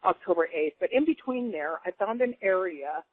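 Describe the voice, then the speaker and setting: A woman guest on a radio talk show telling stories in an animated, laughing way. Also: lowish voice, normal speed. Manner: animated storyteller, laughs often. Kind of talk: casual radio chat. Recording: dry phone-line call audio.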